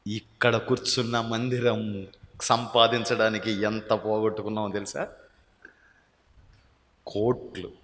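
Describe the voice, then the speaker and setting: A male pastor with a Telugu accent, preaching a sermon and calling out questions to his congregation, pressing them to answer loudly. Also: lowish voice, little pitch movement, a little slow, long pauses. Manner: calls out questions to the congregation, urging loud answers. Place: church hall. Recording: echoey hall with long reverb.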